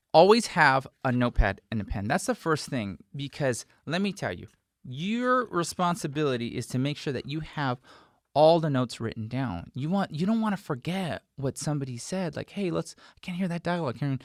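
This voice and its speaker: An American man in his forties, a sound mixer, hosts a conversational instructional talk and stresses his advice emphatically in a mid-range voice. He speaks into a desk microphone close in front of him in a small indoor post-production studio. The recording is dry and studio quality.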